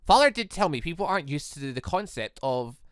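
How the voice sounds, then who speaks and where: A man's voice: on the high side, very animated, fairly quick, clean tone, no echo, clean studio sound. A man voicing a kind, earnest, cheerful girl who is eager to help, in a visual novel. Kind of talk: reading a visual novel aloud.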